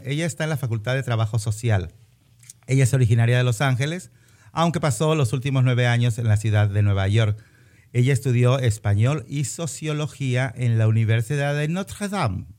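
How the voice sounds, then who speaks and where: A man's voice: medium pitch, darkish tone. A man hosting a casual interview, chatty and joking, often restarting his phrases. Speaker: host.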